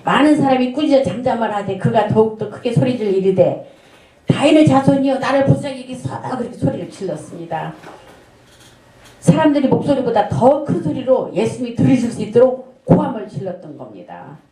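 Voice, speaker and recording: A middle-aged female pastor, preaching earnestly in a church sanctuary, tells a story and asks rhetorical questions. Her warm, fairly high voice swings widely in pitch and moves fairly quickly. There is slight background noise, and the room sounds echoey.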